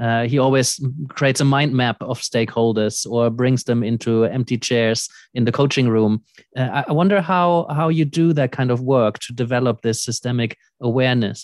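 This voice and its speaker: A man speaks at a medium pitch and moderate pace with ordinary pitch variation, in a dry sound with no echo over a quiet background. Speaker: podcast host and coach; podcast host, coach. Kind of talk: casual chat. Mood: warm, curious. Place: home room. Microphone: studio mic.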